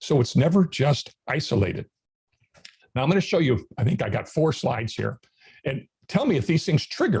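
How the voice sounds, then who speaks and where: A man's fairly high voice with vocal fry. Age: 60s. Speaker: marketing speaker. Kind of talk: conference presentation.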